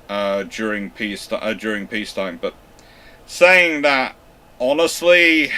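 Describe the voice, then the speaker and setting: A man's voice: fairly low pitch, sharp tone. A man hosting a live naval history Q&A, reading out viewer questions and answering them off the cuff with frequent ums and restarts. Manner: hesitant, many fillers and restarts. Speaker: naval history channel host.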